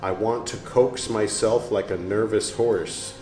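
Male reader-host, unhurried and musing, low voice, echoey room with faint music. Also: steady tone. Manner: unhurried, musing, talks back to the text. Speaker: podcast host reading aloud. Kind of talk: slow reading with casual asides. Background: soft instrumental music.

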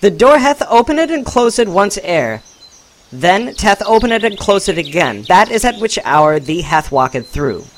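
A man's voice: high voice, big pitch swings, a little slow, voice pushed up. A man voicing a precocious six-year-old boy clone who speaks in mock-archaic English. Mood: matter-of-fact. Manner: mock-archaic speech, sassy and knowing.

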